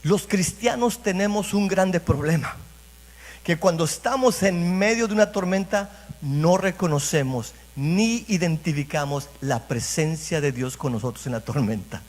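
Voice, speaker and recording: A man's voice: on the high side, a little slow. A man preaching a sermon as pastor, repeating phrases and speaking straight to the congregation. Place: church sanctuary. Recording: reverberant church hall.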